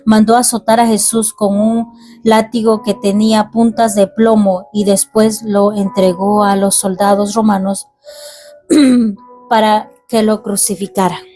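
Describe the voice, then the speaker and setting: A woman reading a Bible passage aloud and then reflecting on it in earnest, halting commentary. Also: medium pitch, little pitch movement, mellow. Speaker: ministry teacher. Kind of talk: reading scripture and preaching. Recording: faint music behind.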